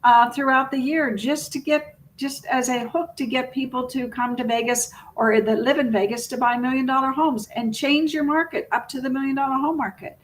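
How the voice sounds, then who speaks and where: A woman's voice: high-pitched, fairly even intonation, normal speed, few pauses, rough recording. A woman presenting a casual unscripted video as a real estate agent, chatty, rambling and self-deprecating.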